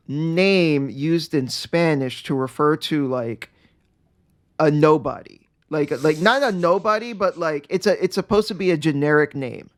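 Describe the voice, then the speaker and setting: A man co-hosting a casual podcast chat, animated and quick to restart his sentences, often laughing. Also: on the high side. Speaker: podcast co-host.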